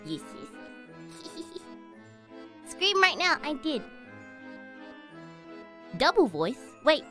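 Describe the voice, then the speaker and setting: Fields. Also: female voice, sits high, very animated, extremely slow, pushed and bright, soft background music. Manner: giggly, chatty, checks her audio settings aloud. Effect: heavily compressed mic with added reverb. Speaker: streamer. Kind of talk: casual live-stream chat.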